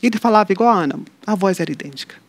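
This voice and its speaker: A woman's voice: mid-range voice, racing, no echo. A middle-aged woman, a guest on an interview show, telling a personal faith story and acting out the voices of the people in it. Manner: lively storyteller who acts out quoted dialogue. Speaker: interview guest, mother of an atypical child. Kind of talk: personal faith testimony in conversation.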